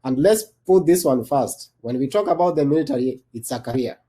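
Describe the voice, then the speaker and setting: Kenyan-born man, soft dark voice. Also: medium pitch, expressive, fairly quick. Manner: rambling, many restarts and fillers. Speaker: panel guest, army veteran. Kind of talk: panel discussion.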